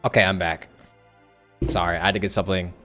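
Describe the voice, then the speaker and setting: A man talks in a lowish voice while streaming a game. He chats in a loose, rambling way and fills his sentences with "like." Faint game music plays behind him. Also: level tone, fast talker, a bit bright. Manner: rambling, chatty, says "like" a lot. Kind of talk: casual live-stream chat.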